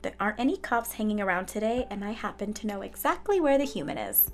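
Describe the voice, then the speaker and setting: A woman's voice: mid-range voice, sing-song, quick pace, faint music behind, natural voice. A woman playing a sly, helpful hospital nurse in a fiction podcast, self-assured and teasing. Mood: conspiratorial.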